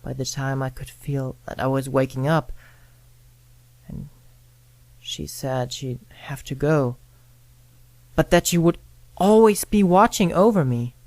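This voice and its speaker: A narrator reading a scripted first-person story in short phrases with frequent pauses. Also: mid-range voice, a little mellow, dry recording, rough recording. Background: music with guitar and piano.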